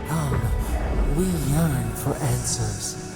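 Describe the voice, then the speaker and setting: An ancient deity in a fantasy game, solemn and full of cryptic longing. The voice is heavily creaky and extremely slow, ringing through a long cavernous reverb. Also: medium pitch, heavily acted. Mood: solemn yearning. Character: ancient otherworldly god voice, solemn, yearning, cryptic. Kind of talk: video game voice acting. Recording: long echoing reverb over music.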